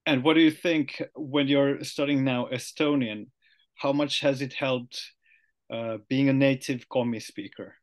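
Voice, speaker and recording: A young man with a Finnish accent, a native Finnish speaker, hosting a casual interview over a video call and slowly trying out new words. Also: medium pitch, fairly even intonation. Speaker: podcast host. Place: small room indoors.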